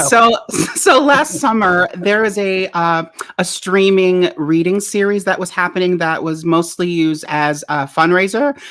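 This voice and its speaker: With lively intonation and an ordinary speaking voice, a woman of medium pitch speaks at a fairly slow pace. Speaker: stage actor and producer. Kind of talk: casual interview chat.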